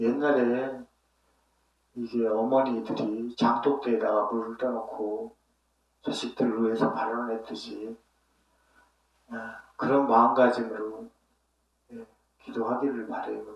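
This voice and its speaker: Speaking very slowly with long, frequent pauses, a man with a slight Chungcheong accent talks at medium pitch in a monotone, flat intonation, his loudness swinging widely. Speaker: Buddhist monk. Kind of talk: dharma talk. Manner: casual, conversational.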